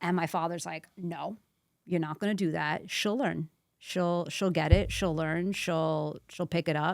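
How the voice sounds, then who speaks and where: Fairly slow and fairly low in pitch, a woman speaks with a New York accent and fairly even intonation. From New York City, Astoria, Queens. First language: Croatian. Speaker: podcast guest. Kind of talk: casual chat.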